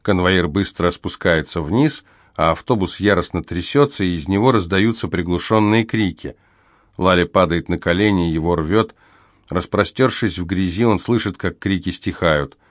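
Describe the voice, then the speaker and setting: A man reading an audiobook as narrator in a measured, grave way. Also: sits low, dry recording, studio quality. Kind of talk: scripted narration.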